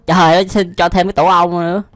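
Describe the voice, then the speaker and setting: A young man with a Southern Vietnamese accent hosts a video, reacting in a casual, slangy way full of exclamations and laughter. His voice is high and fast, with a level tone. Faint music plays behind him.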